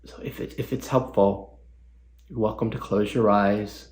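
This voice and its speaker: A man leading a guided meditation as a guest teacher, speaking gently with long pauses and reflective questions. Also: on the low side, fairly even intonation.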